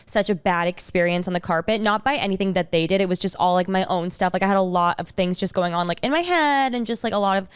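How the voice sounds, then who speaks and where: A woman's voice: medium pitch, fast, few pauses, clear, resonant tone, no echo. A young woman co-hosting a podcast, chatting in an upbeat, earnest way. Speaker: podcast co-host. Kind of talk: casual chat.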